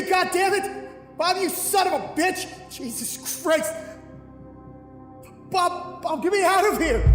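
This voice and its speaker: A haunted, halting, terrified prisoner. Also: male voice, on the high side. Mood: screaming desperation. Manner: halting, brooding, breaking into panic. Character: terrified male prisoner recounting his solitary torment. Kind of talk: first-person horror audio drama narration. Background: music.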